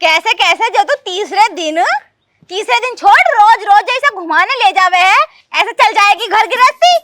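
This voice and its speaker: A woman's voice: extremely high pitch, lively intonation, moderate pace, exaggerated voice. A woman playing a bossy, scolding old village mother-in-law, nagging and threatening in a rustic comedy skit. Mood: lecturing. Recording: loud background music.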